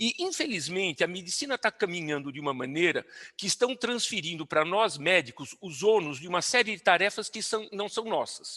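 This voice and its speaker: This man talks in a raised, projected voice, high in pitch and bright, sharp in tone. His intonation is lively, his loudness swings widely, and his pace is moderate. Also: hardly any pauses, quiet background. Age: 60s. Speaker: physician. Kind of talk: presentation.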